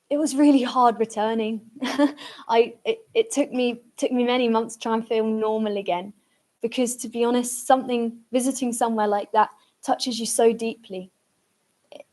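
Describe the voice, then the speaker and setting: Woman with a highish voice doing an earnest reflective public talk, leans on repeats. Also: darkish tone. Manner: earnest, emphatic repetition. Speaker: speaker at a commemorative event.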